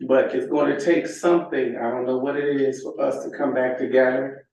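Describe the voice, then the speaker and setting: A man's voice: medium pitch, fairly even intonation, moderate pace, a little mellow. A man in his sixties giving an earnest public comment at a city council meeting, telling a story and pleading for unity. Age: 60s. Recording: echoey council chamber from far off.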